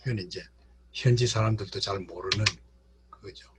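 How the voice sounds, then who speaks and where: A man's voice: on the low side, steady tone, moderate pace, very noisy. A man lecturing on literature to a class, repeating words and speaking straight to his listeners. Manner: repeats words and addresses the audience directly.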